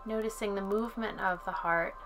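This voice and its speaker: A woman leading a guided relaxation as a yoga instructor, speaking in a calm, soothing way with long pauses. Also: mid-range voice. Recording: soft music under the voice. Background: music.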